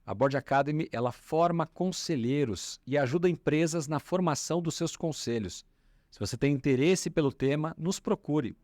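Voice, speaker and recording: Male interview host, slightly high voice, lively questions, dry close mic. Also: moderate pace, no room sound. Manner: lively, promotional, asks leading questions. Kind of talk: interview hosting.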